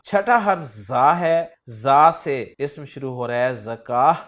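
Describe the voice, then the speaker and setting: Slow, methodical male lecturer. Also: mid-range voice. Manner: slow, methodical, repeats each rule. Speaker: Arabic grammar teacher. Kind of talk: recorded lecture.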